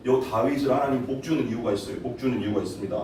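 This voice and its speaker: A man preaching a sermon as pastor, animated, quizzing the congregation and acting out quotes. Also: mid-range voice, very fast. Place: church sanctuary. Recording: echoey hall from far off, faint noise.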